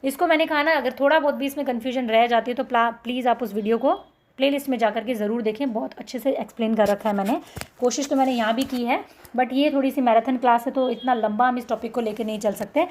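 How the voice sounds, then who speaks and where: A woman's voice: a little high, fast, darkish tone. A woman with an Indian accent giving an exam-prep lecture, mixing Hindi with English terms and answering her own questions. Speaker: teacher.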